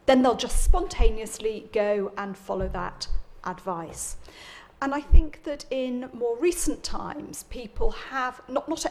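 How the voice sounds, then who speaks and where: A woman answers an audience question at a public lecture. She talks as an expert, measured and explanatory. She rises in pitch when she stresses a point. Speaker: invited expert speaker.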